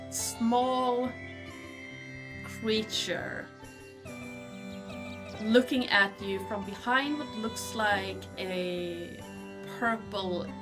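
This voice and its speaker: Slow, hesitant woman game master. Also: a little high. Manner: hesitant, with many fillers and small laughs. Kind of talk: narrating a tabletop game.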